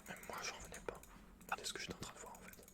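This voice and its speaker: Whispered male gamer, breathy, bright hiss, casual slang and swearing, keyboard typing behind. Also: very fast. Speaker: host of an ASMR gaming channel. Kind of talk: whispered ASMR gaming commentary. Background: computer keyboard clicks and typing.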